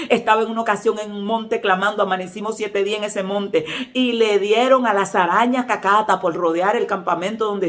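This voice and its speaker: A woman pastor with a Dominican accent, preaching a sermon and telling lively personal stories. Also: medium pitch. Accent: Dominican Spanish. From Dominican Republic. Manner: lively storytelling, acts out quoted voices.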